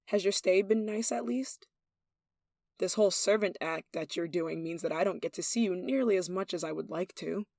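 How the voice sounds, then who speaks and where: A woman's voice: on the low side, moderate pace, darkish tone, dry recording, studio quality. A woman acting a lovestruck, possessive young royal in an intimate roleplay, tender and playfully commanding. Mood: resigned, wistful. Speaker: voice actor in an audio roleplay.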